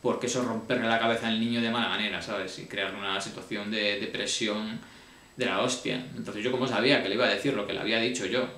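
A man tells his own story in a colloquial, emotional way, full of restarts, sounding deeply upset. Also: fairly even intonation, fast talker, bright, forceful tone, roomy sound. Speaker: vlogger. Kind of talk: confessional personal account.

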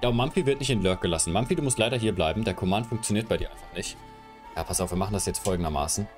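A man's voice: on the low side, rapid-fire, music in the background. A young man streaming from his room on a headset mic, chatting loosely with his viewers while he moves his camera and gear around. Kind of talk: casual live stream chat. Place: home room, indoors.

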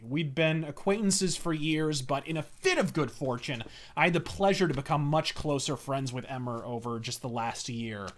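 A man in his thirties giving an emphatic, scripted introduction as a show host, with theatrical emphasis. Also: a little high. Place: small cluttered home office, indoors.

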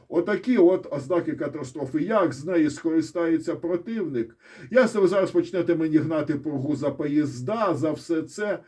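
This man has a warm, slightly high voice and a Ukrainian accent. Working alone with a map, he comments casually on a war as a military-political commentator, sarcastic and blunt, cursing liberally and pausing for pointing asides.

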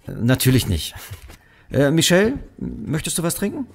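An actor playing an eager, friendly younger brother in an audio drama, a little hesitant and apologetic. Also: male voice, fairly high pitch, wildly swooping pitch, normal speed, creaky, exaggerated voice.

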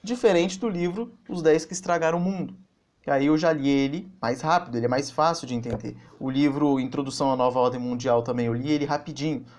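A man's voice: medium pitch, fast. A man in his thirties commenting on a book in a casual video, explaining with animation. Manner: animated, gestures while explaining. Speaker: channel host reviewing a book. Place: small office indoors.

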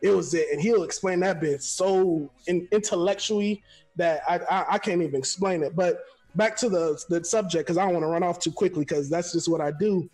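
A young man from Florida, a guest telling stories in an animated, rambling way over a headset from his living room. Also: sits high, brisk, faint music behind. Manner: animated, laughs often, rambling storyteller. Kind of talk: casual video call chat.

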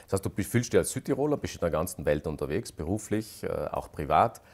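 Host, middle-aged man, lowish voice, friendly interviewer. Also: expressive, quick pace. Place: rustic hotel lounge.

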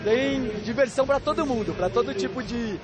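A physical educator explains the contests at his stand in a plain, matter-of-fact way. His voice is high for a man, and the crowded hall murmurs behind him. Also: moderate pace. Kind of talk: interview answers. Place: busy indoor sports expo. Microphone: reporter's handheld mic. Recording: crowd noise at an expo.

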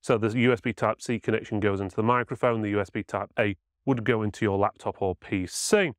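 A man's voice: lowish voice, fairly even intonation, a little fast, no echo, studio quality. A man giving a casual, matter-of-fact hands-on product demonstration as a reviewer.

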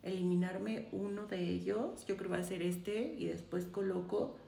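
A woman's voice: mid-range voice, fairly even intonation, normal speed, creaky, dark tone. A woman, chatting effusively to viewers while trying on makeup. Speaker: beauty vlogger. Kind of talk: casual makeup try-on chat. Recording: roomy echo, faint room noise.

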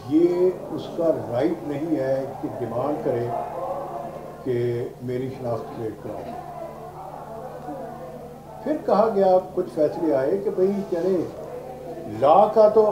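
An older man with a Pakistani accent giving a lecture in a deliberate, explanatory way, posing rhetorical questions and mixing in English terms. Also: high voice, lo-fi sound. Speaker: law lecturer, retired judge. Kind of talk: lecture to law students. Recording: roomy, distant microphone, noisy background.

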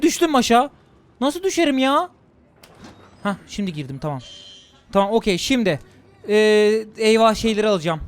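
Excitable young man gaming. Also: high-pitched. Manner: excitable, talks to himself, chatters fast. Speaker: gaming streamer. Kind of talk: excited let's-play commentary.

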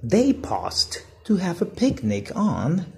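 A woman reading a children's story aloud with deliberate, expressive and dramatic phrasing. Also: lowish voice, vocal fry. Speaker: storybook reader.

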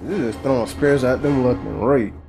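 A man's voice: mid-range voice, normal speed, vocal fry. An American man giving casual, profane let's-play commentary in a blunt, slangy, reactive way. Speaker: gaming video host. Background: game music.

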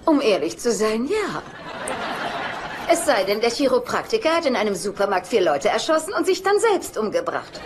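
A haughty mother of grown sons in a TV sitcom. Her fairly high voice swings with dry, cutting sarcasm. The soundtrack is noisy, with studio laughter. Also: sing-song, moderate pace, a crowd in the background. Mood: mock innocence. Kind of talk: German-dubbed TV sitcom acting.

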